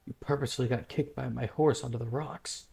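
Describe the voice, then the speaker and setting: A man's voice: medium pitch, steady tone, a little fast, creaky, a little mellow, close to an everyday voice. A man voicing an angry, accusatory tribal horseman in a dramatic manga dub. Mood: indignant, accusing. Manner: accusatory, exclaiming. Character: angry tribal horseman pursuing an outcast, indignant and astonished.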